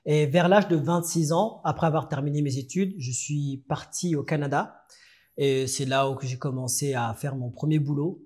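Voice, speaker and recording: A man from France, a guest on a podcast interview, telling his story in a relaxed, halting way with frequent restarts. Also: fairly high pitch.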